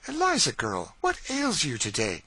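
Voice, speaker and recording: A brisk, kindly lady of the house chides and reassures, as a male narrator puts her on. The voice is raised above his own with a forceful, husky edge. It belongs to a read-aloud storybook. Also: on the high side, wildly swooping pitch, no echo, pitched above the performer's own voice, heavily acted. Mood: chiding reassuring.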